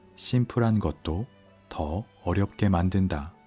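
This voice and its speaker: A man's very deep, low voice, calm in tone, with fairly even intonation at a very slow pace over music in the background. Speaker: audiobook narrator. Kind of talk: audiobook reading. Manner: calm, soft-spoken.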